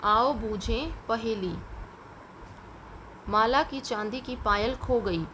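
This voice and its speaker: Slow, patient woman teaching children. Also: a little high, a bit bright, slight background noise, rough recording. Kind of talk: online class lesson.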